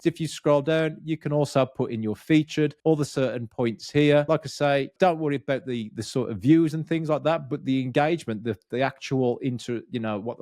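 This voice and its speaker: A business coach and podcast host in his thirties, from Birmingham, England, gives blunt, energetic coaching straight to camera in a Birmingham English accent, swearing freely. His voice is medium-pitched and recorded on a boom-arm studio mic in a small, dark studio room with bookshelves. The sound is clean, with no room sound.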